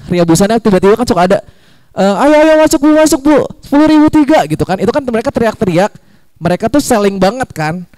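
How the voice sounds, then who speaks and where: Young male workshop speaker, chatty and informal, higher voice, dry close sound. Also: darkish tone, no echo. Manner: chatty, lots of fillers. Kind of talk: casual seminar lecture. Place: school hall.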